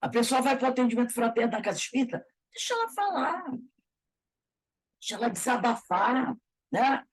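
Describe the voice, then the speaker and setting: A fairly high, slightly husky woman's voice with a Brazilian Portuguese accent. She teaches a spiritist study class, reading passages and explaining them. Her pitch rises and falls a lot as she talks, and she often acts out what people say. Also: moderate pace, rough recording. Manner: lively, acts out quoted remarks.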